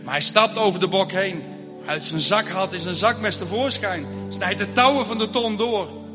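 A man's voice: sits high, normal speed. A man telling a Christian story in vivid, rhythmic narration. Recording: long hall reverb, faint music.

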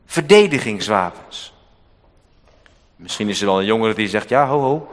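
Guy preaching in a church, goes loud then soft, echoey hall. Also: lively intonation, normal speed. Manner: emphatic preaching with dramatic swings in pitch and loudness. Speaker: pastor. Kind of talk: sermon. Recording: long hall reverb.

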